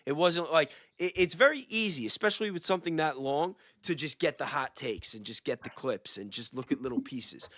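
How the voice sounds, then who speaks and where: A man hosting a casual livestream chat, talking excitedly and repeating phrases for emphasis. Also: fairly high pitch, fairly quick, hardly any pauses, dry recording. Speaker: livestream host with a small channel.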